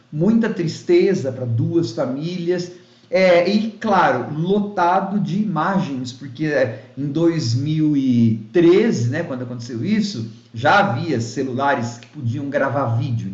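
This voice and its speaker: A man's voice: a little high, a little mellow. A man giving a casual spoken documentary review, rambling with many fillers and restarts. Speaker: YouTube film reviewer. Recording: echoey room, dull lo-fi sound.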